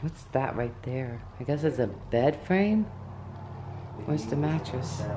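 A woman with a very deep, low voice speaks at a fairly slow pace over noticeable background noise. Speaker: vlogger exploring abandoned house. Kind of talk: casual vlog chat. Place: empty room. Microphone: phone near.

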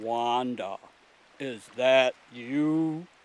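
A man puts on a character voice, pitched in the medium range.

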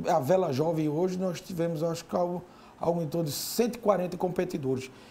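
The man speaking has a high-pitched voice. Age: 40s. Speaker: yacht club commodore; interview guest. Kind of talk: TV interview. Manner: halting, many repetitions. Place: studio. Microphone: lapel.

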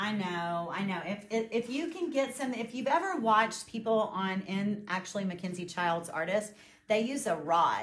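Faint music plays behind a woman with a Southern US accent. She speaks at a moderate pace. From US South. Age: 50s. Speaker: furniture painting artist. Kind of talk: live painting tutorial. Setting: live stream from her shop. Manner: casual, chatty. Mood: cheerful, chatty. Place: workshop. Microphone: camera far.

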